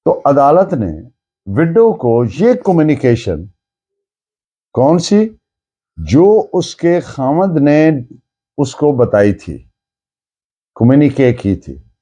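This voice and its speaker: Man, Pakistani accent, law lecturer, unhurried pace, mellow tone, emphatic, didactic, English legal terms mixed in. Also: mid-range voice, very animated. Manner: didactic, emphatic, repeats key phrases. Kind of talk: lecture, explaining and dictating case citations.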